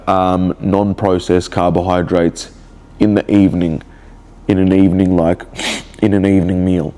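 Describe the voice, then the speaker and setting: A vlogger records his personal video diary, talking slowly and reflectively, halting often and starting over. He's got a cold that leaves his nose sounding stuffed up, and his voice is low-pitched with a dark tone.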